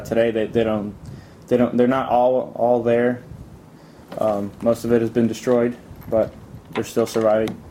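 A man's voice: on the low side, mellow, slight background noise. A young man from Italy answering interview questions, hesitant, with many ums and restarts.

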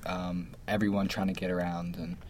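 A man's voice: low voice, flat delivery, moderate pace, darkish tone, a little hiss or hum. A man acting as interviewer and host, asking questions in a casual conversational style.

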